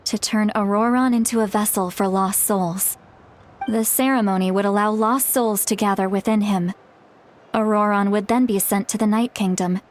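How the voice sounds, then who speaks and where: A woman's voice: mid-range voice, a little hiss or hum, natural voice. Woman acting a frank, wry legendary tribal elder woman. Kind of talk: video game voice acting. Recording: music behind the voice.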